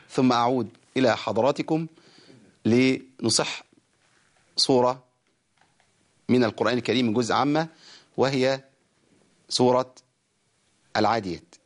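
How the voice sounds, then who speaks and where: An Egyptian man teaching Quran recitation on a broadcast lesson, explaining rules firmly and chanting verses of didactic poetry slowly. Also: medium pitch. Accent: Egyptian Arabic. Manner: firm, corrective explanations.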